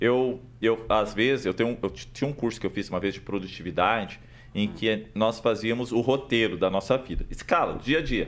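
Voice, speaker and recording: Using an unremarkable speaking voice, a man with medium pitch and ordinary pitch variation talks at a moderate pace. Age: 30s. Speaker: speaker and communication trainer. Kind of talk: interview. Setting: studio.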